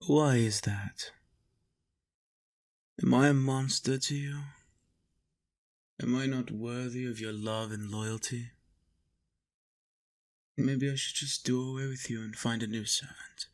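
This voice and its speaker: A man playing a possessive, doting vampire master in an intimate roleplay monologue, coaxing and teasing with soft menace. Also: medium pitch, steady tone, slow, long pauses.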